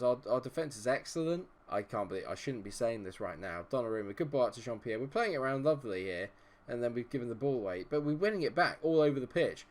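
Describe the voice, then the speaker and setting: Nasal man narrating a football game. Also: mid-range voice. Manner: exasperated, talks to the game and players. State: nasal from a cold. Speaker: gaming video host. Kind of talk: casual gameplay commentary.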